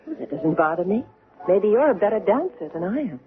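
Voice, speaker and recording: Actress as expressive poised woman, tinny old radio. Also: medium pitch, a little fast, close to an everyday voice. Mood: polite, curious. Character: poised well-spoken woman in her thirties, wary and unsettled. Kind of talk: 1970s radio drama acting.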